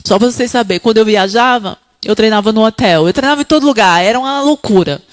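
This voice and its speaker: A woman preaching a sermon, telling her own testimony quietly and then rising to fervent, shouted exhortation. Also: a little high, fast.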